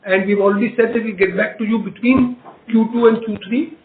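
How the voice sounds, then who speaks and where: A man with an Indian English accent, a company executive answering questions on an earnings call in a measured way, pausing often with fillers. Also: sits high, fairly even intonation. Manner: measured, explains with many pauses and fillers. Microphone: conference call phone line. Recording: echoey room over phone line.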